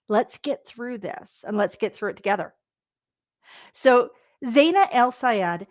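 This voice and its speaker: Lively, upbeat woman podcast host. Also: a little high. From Canada. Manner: bubbly, energetic, filler-heavy. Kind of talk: podcast interview.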